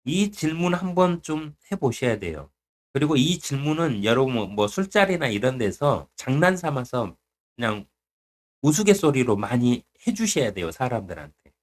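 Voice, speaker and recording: A male preacher teaches the Bible in a blunt, down-to-earth sermon. His voice sits at a middle pitch but swings up and down with animated emphasis. He often puts questions to his listeners. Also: moderate pace. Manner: asks the audience questions.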